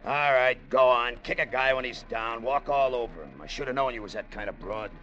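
A man's voice: mid-range voice, fairly quick, fairly bright tone, lo-fi sound, soft background music, lightly acted. A man playing a bitter broke gambler. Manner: streetwise slang, gruff. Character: down-on-luck male gambler, bitter tough talker. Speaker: lead and narrator. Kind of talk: 1950s radio drama acting.

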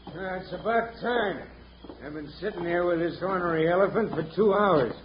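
An actor playing an ornery, threatening outlaw in an old Western radio drama. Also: male voice, high-pitched, moderate pace, close to an everyday voice. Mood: irritated. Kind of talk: 1950s Western radio acting. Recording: dull noisy old radio recording.

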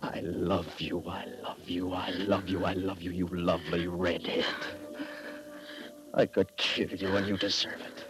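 An actor playing a drunken, menacing private detective in a 1940s radio drama, slurring and swinging between tenderness and threats. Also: male voice, deep voice, level tone, measured pace, pauses often, music in the background. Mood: brooding. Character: drunken hard-boiled male private eye, menacing.

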